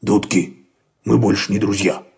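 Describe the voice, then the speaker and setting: A man voicing a grudging male guard dog in a storybook, talking slowly and grumbling. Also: fairly low pitch, little pitch movement, creaky, a little mellow, slightly rough, voice pushed down, heavily acted. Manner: slow, grumbling. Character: gruff grudging male watchdog.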